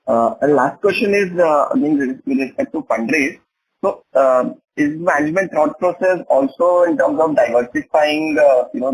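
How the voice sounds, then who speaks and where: A man asks questions as an analyst on an earnings call. His voice sits at a medium pitch and has a husky, unclean edge. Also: low-quality recording.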